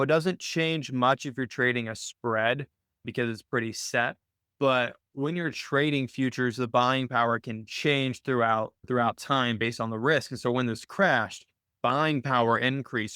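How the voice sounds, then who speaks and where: A man with a clean, smooth voice at a middle pitch hosts an informal question-and-answer session. He talks in a conversational, explanatory way, working through his thoughts out loud. The sound is dry, with very little room in it. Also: steady tone, normal speed, no room sound. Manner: conversational, explanatory, thinking aloud. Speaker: host of a trading Q&A call. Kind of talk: casual explanatory screen-share Q&A.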